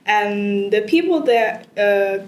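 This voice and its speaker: A woman's voice: mid-range voice, expressive, slow. A young Vietnamese woman, a non-native English speaker, answering exam questions hesitantly with many fillers and repeats. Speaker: test candidate. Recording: echoey room with faint noise.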